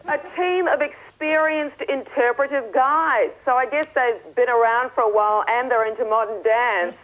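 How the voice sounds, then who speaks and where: Wry Australian woman, lo-fi. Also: sits high. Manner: wry, self-mocking storytelling. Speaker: comic correspondent. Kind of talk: comic travel report. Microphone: earpiece link from a studio desk.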